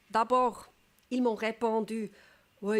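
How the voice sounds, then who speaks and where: A woman speaks with a Swiss German accent at a fairly high pitch, on a very clean recording with a silent background. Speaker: federal police director. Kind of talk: public talk. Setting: press club with audience.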